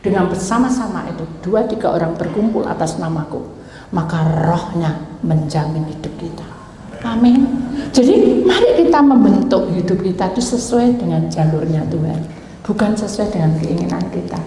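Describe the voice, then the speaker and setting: A middle-aged woman pastor preaches in a conversational yet emphatic manner. Her voice sits at an ordinary pitch and rings through a large, echoey church hall with a long tail of reverb. A faint hum of room ambience lies underneath. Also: lively intonation, moderate pace, warm tone. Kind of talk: sermon.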